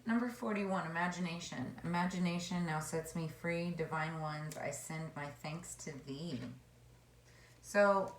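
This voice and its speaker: A woman with a hoarse voice giving a casual tarot card reading, chatty and meandering as she muses aloud. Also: on the low side, a little slow, a little hiss or hum. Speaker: tarot reader. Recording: echoey room.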